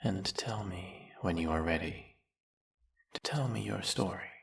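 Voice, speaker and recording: A man voicing a smooth-talking, snake-headed male villain who hypnotizes his captive in an audio roleplay, speaking in a silky, coaxing way. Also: sits low, unhurried, exaggerated voice. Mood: hypnotic. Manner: silky, coaxing, soft-spoken and purring.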